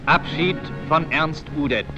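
A man's voice: a little high, a little slow, dull audio, over music. A man announcing in the formal, solemn style of an old newsreel.

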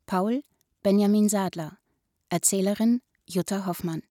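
Female credits announcer for radio drama, dark mellow tone, mid pitch, dry close studio. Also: unhurried, no echo. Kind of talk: scripted radio play credits reading.

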